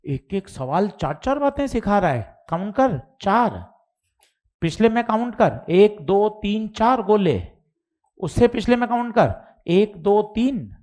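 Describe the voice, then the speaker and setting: Male physics teacher, live online class. Slow and deliberate, animated, fairly high voice. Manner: addresses students informally, mimics their questions.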